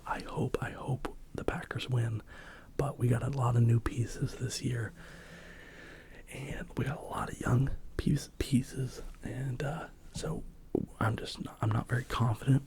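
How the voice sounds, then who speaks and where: Casting: American male ASMR creator, hushed whisper with some creak, casual meandering chat, close-miked. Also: medium pitch, little pitch movement, unhurried. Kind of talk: soft-spoken ASMR rambling, mostly whispered.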